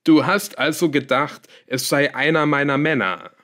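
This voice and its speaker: A man voicing a scheming male villain in an audiobook, calm, smug and lightly scornful. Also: a little high, normal speed, voice pushed up, lightly acted. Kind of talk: audiobook character voice.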